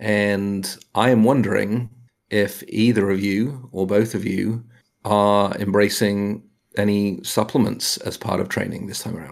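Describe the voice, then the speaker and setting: With an ordinary speaking voice, a man speaks at a fairly slow pace, his pitch fairly low and his intonation fairly even. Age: 40s. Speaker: podcast co-host, amateur runner. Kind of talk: casual chat.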